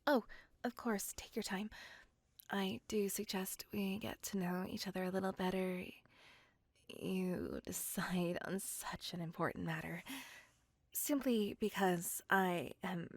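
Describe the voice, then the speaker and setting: A woman voicing a possessive, courtly, ancient female vampire in a slow, intimate, whispered ASMR roleplay with formal old-fashioned speech. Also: lowish voice, no echo. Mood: yearning. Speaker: voice actor. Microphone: close ASMR microphone.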